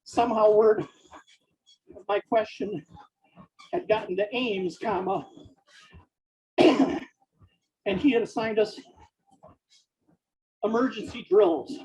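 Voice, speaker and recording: A person dictating story prose aloud in short, halting phrases and speaking each punctuation mark, with a husky, gravelly voice. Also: medium pitch, fairly even intonation, darkish tone, poor audio.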